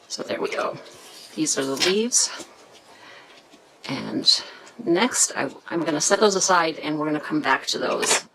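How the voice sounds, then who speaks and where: Low gravelly woman demonstrating a craft. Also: big pitch swings, measured pace, long pauses, fairly bright tone, a little hiss or hum, rough recording. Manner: hesitant, searching for words, many fillers; chatty, self-deprecating about pronunciation. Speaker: craft tutorial host.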